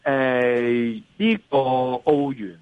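On a dull, lo-fi remote call line with no echo, a man with a Hong Kong accent, a financial analyst and columnist, gives off-the-cuff market commentary as an interview guest. His smooth, medium-pitched voice is very slow with fairly even intonation, yet he is emphatic and often checks for agreement using rhetorical questions.

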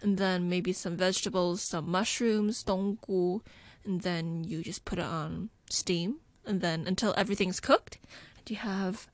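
A woman's voice: on the low side, fairly even intonation, measured pace, dry recording. A woman from Hong Kong, a regular guest on a radio show, cheerfully explaining local food. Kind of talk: casual radio chat. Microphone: studio microphone.

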